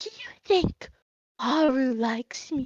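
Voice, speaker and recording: At a fairly slow pace, a put-on character voice speaks in a high pitch. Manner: shy.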